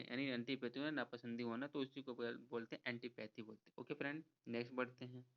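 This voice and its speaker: A man teaching an exam-prep vocabulary lesson, explaining each word slowly, repeating himself and asking viewers to guess. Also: mid-range voice, smooth. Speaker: English teacher. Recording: slightly dull lo-fi audio.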